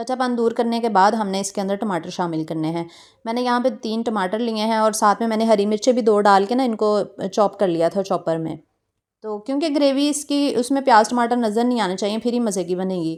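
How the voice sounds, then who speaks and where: A woman with a Punjabi accent speaks at a moderate pace in a fairly high pitch with ordinary pitch variation, captured in a very clean recording with a silent background. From Punjab, Pakistan. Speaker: vlogger. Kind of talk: cooking tutorial; casual chat.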